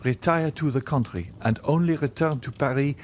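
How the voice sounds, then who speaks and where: A proud young lover as a male narrator plays him speaks at a middle pitch with earnest, formal intensity. His devotion is edged with bitterness and desperation, in the manner of a classic-novel reading. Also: moderate pace, slight background noise, lightly acted. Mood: urgent, ardent.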